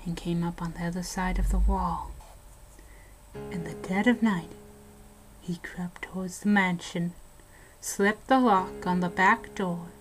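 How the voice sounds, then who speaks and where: A woman's voice: lowish voice, a little hiss or hum, lightly acted, low-quality recording. A woman playing a brash young local telling haunted-house tales in an amateur audio drama, casual and dramatic. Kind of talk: amateur audio drama, scripted ghost storytelling.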